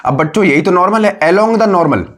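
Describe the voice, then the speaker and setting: A man teaching a physics lesson to schoolchildren, asking them questions, repeating key terms and dictating notes slowly. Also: sits high, expressive, a bit bright. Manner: calls students "बेटा", "बच्चों". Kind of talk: classroom lesson.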